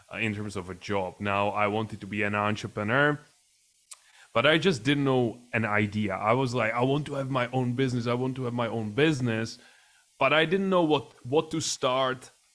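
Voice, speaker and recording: A man with a Czech accent speaks with ordinary pitch variation on a very clean recording with a silent background. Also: medium pitch for a man, moderate pace. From Czech Republic. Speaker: entrepreneur, podcast guest. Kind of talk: interview storytelling.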